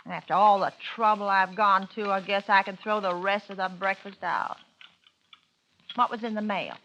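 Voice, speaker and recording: An actress playing a bitter, suspicious small-town wife in 1940s radio acting, sarcastic and resentful. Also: female voice, medium pitch, steady tone, moderate pace, sharp tone, lo-fi sound, slight background noise. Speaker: narrator and lead character.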